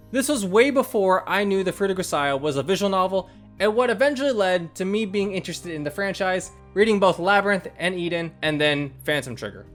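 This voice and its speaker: A video host narrating a scripted review in a measured, first-person commentary style. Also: medium pitch, fairly bright tone. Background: background music.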